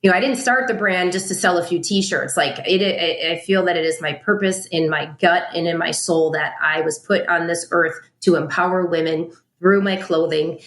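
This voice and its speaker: A woman's voice: on the low side, moderate pace, hardly any pauses, fairly bright tone. A middle-aged woman, the guest and founder of an apparel brand, speaking earnestly and motivationally in a casual interview, with frequent fillers. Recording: roomy echo.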